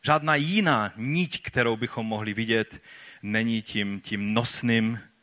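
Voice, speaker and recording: A man preaching a sermon and reading scripture aloud, rising for emphasis and then dropping to slow, quiet lines. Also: on the low side.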